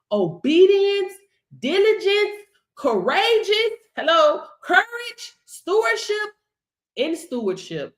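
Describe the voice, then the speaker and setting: A woman's voice: sits high, a bit bright. A woman leading a workshop in a preachy, motivational way. She repeats phrases for emphasis, laughs often and calls her listeners baby. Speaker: workshop instructor.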